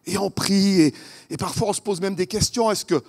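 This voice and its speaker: A man with a Vaud Swiss French accent preaching a sermon at a church conference, earnest and questioning, swinging between loud emphasis and hushed lines. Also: sits high, moderate pace, creaky. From Vaud, Switzerland.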